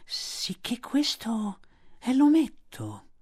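A man voicing a huge old python that speaks slowly and commandingly, calm and menacing. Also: very high voice, husky, voice pushed up, exaggerated voice.

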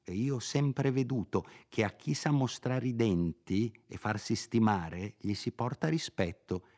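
A man's voice: medium pitch, unhurried, a little mellow. A man voicing a fussy, scolding middle-aged housekeeper woman in a read-aloud novel, pleading and chiding by turns.

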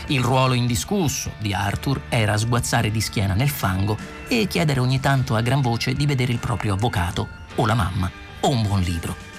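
An audiobook narrator reading a comic novel in an expressive, lively way. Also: normal speed, over music. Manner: expressive, with wide pitch swings.

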